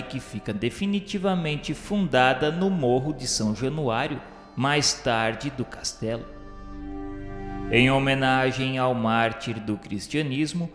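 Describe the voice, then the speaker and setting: Brazilian male narrator for a solemn radio drama, mid-pitched and unhurried, formal delivery in a reverberant space. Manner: formal, declamatory, measured. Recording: echoey long reverb with background music. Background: instrumental music.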